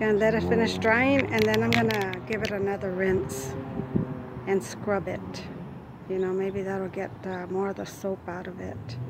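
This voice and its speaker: A woman talks at a moderate pace over loud background noise. The sound is dry, with no echo. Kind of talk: casual vlog chat. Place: garden. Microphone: phone near.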